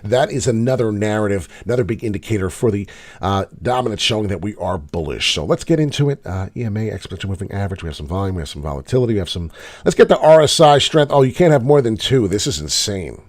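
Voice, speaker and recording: A man hosting a live crypto trading show, a little hoarse from being sick, rambling through charts with lots of filler words. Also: on the low side, animated, fast, a little mellow. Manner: rambling, many "uh" fillers, pleads for likes and subscribes. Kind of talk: casual live market commentary.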